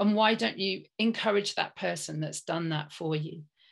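Someone speaks with a British accent against a quiet background. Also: woman. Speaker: podcast host. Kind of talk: casual interview chat.

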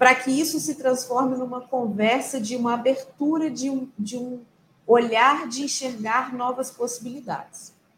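The speaker is a woman with a high pitch. She talks at a fairly slow pace. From Brazil, Juiz de Fora (Minas Gerais). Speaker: organizational psychologist. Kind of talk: podcast interview. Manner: animated.

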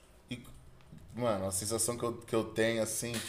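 At a moderate pace, a man speaks with a Brazilian accent. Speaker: podcast host. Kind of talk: casual chat. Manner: energetic, slangy.

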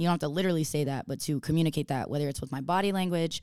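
A woman speaks in a very deep, low voice with ordinary pitch variation. The recording is very clean, with a silent background. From Los Angeles (East LA, Boyle Heights), Mexican-American community. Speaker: teacher. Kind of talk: casual chat.

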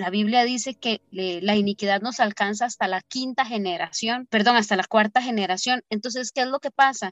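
A woman with an unremarkable speaking voice and a fairly high pitch talks at a moderate pace with hardly any pauses and ordinary pitch variation, in a dry, close sound with no echo. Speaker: pastor. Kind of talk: testimony.

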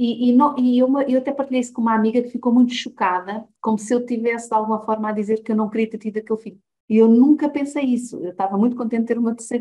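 A woman's fairly high, dark, mellow voice at a very fast pace, fairly even in intonation, with hardly any pauses. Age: 40s. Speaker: podcast host on separation and parenting. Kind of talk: casual chat.

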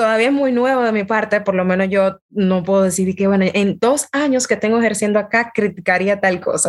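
On a very clean recording with a silent background, a woman with an unremarkable speaking voice talks at a medium pitch with ordinary pitch variation, very even loudness and hardly any pauses. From Dominican Republic. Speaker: podcast host. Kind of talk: interview.

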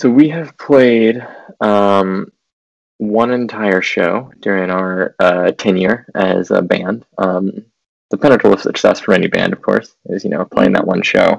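Ordinary pitch variation marks a man's speech, delivered at a fairly slow pace. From Texas. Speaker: band drummer. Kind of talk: casual chat. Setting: video call.

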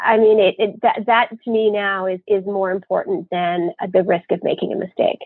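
A woman with a Canadian accent and an unremarkable speaking voice, medium in pitch, with ordinary pitch variation and hardly any pauses. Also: moderate pace. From Canada. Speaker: humanitarian doctor. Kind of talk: interview.

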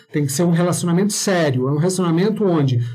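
Amid noticeable background noise and audible room echo, a man with a high pitch speaks with lively intonation. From Goiás, Brazil (Goiânia). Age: 50s. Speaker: sales director, former tech account manager. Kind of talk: casual interview chat.

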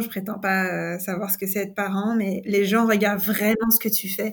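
A woman's normal speaking voice at medium pitch and moderate pace, on a very clean recording with a silent background. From Réunion. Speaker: podcast co-host. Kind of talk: casual chat.

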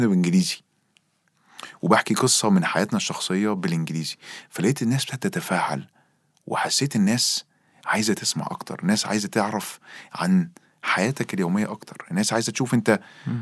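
At a fairly quick pace, a man speaks with an Egyptian accent. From Egypt (Cairo, family of Levantine descent). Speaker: church youth minister and social media speaker. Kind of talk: casual chat. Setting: studio.

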